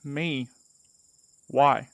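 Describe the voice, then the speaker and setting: A man's voice: medium pitch, steady tone, very slow, creaky, fairly bright tone, dry recording, studio quality, exaggerated voice. A man playing a wary, earnest and defiant underdog in an audio drama, speaking a little hesitantly. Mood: defiant, nervous. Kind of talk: audio fiction drama acting.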